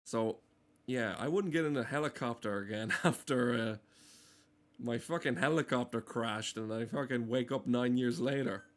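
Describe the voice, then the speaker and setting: Medium-pitched and at a normal speed, a male game streamer drifts through casual livestream chatter, peppering it with swearing and tongue-in-cheek, mock-earnest rants.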